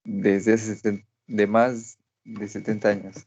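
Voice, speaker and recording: Slow, halting low-voiced student. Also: male voice, flat delivery, darkish tone, muffled recording. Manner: halting, searching for words. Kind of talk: language lesson answers.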